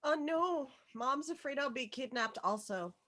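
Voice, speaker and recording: A woman acts out a young schoolgirl in a script read. The voice is high and bright. She is meek and polite, hesitating often, yet stays earnest and hopeful. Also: lively intonation, measured pace, full character voice. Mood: uneasy, curious. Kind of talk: virtual table read of a film script.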